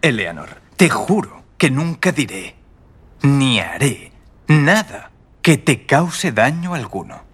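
A man's voice: medium pitch, big pitch swings, takes it slowly, a bit bright, breathy edge, full character voice. A man dubbing an anxious, earnest young ethics professor in a dubbed TV comedy, talking in a hesitant, fussy way. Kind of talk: Spanish TV comedy dub.

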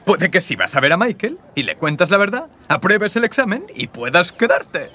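Fussy earnest ethics prof, dub, husky bright voice. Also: male voice, high voice, big pitch swings, moderate pace, full character voice. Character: anxious earnest male ethics professor. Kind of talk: Spanish TV comedy dub.

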